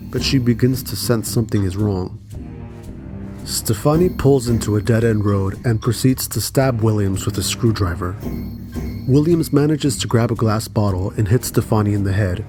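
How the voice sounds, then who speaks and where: A man reading scripted true crime documentary narration in a measured, serious way. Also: lowish voice.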